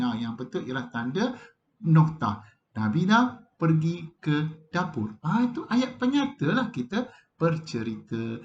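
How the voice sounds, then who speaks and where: Lively Malaysian man teaching young children. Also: a little high, dull audio. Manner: warm, coaxing, addresses pupils directly. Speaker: primary school teacher. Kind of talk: recorded lesson for young pupils.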